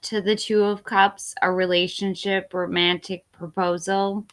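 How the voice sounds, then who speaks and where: A woman's voice: mid-range voice, flat delivery, a little slow. A tipsy woman hosting a casual livestream tarot reading, rambling with fillers and laughing as she talks. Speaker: tarot reader and livestream host.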